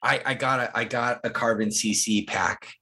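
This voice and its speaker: A man's voice: medium pitch, normal speed, gravelly, pushed and bright. A man from Southern California co-hosting a podcast, talking earnestly and enthusiastically about gear and plans, often restarting his phrases. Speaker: podcast co-host. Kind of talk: casual podcast chat.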